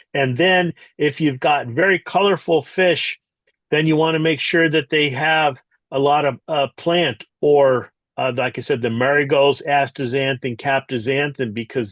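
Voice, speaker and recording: Here is a man with an unremarkable speaking voice, pitched fairly high and moving at a fairly slow pace with ordinary pitch variation. The sound is dry and close, without echo. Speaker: microbiologist and guest speaker. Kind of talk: Q&A answers; lecture.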